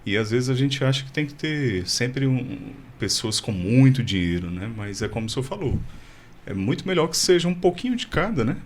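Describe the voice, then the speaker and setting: A man hosting a podcast in a studio, interviewing a guest in casual chat and quickly agreeing with him. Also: mid-range voice, big pitch swings, a little hiss or hum. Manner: affirming, quick to agree and laugh along. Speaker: podcast host.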